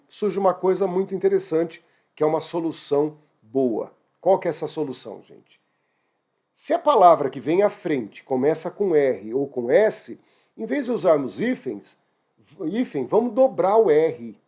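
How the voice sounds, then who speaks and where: Man, Brazilian Portuguese accent, online lesson, upbeat and exclamatory, mellow tone. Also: fairly high pitch, unhurried. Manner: lively, exclamatory, addresses students as "gente". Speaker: teacher. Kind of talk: online exam-prep lesson.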